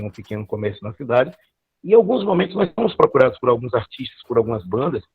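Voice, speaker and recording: A middle-aged man, giving a formal thesis presentation over a video call, with halting speech and many hesitations. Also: medium pitch, gravelly, breathy edge, no echo. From Northeastern Brazil. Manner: halting, frequent filler hesitations and restarts. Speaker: law student presenting his thesis. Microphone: computer mic on a video call. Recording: tinny dry video-call audio.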